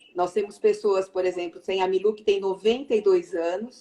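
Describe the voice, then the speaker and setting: Medium-pitched female speech, dark and mellow in tone, with ordinary variation in pitch. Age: 60s. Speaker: digital entrepreneur and retiree. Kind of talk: live stream conversation.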